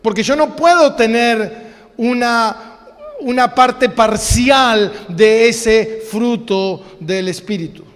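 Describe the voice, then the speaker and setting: Argentine male pastor, emphatic sermon delivery, unhurried, echoing church hall. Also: extremely high pitch. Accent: Argentine Spanish. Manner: slow, emphatic preaching with rhetorical questions and repetition.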